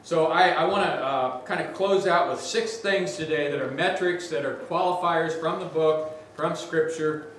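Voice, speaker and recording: A man with a big, slightly high voice preaches to a congregation in an energetic, conversational way, adding asides as he goes. He is heard from a distance in a very reverberant church, with a faint hum of the room behind him. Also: moderate pace, hardly any pauses. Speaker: guest preacher. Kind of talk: sermon. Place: large church sanctuary.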